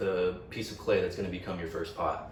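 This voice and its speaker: Clear background noise fills the clip. A man's voice comes through it. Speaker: potter. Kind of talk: pottery tutorial voiceover. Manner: stutters, hesitant with fillers; casual, relaxed.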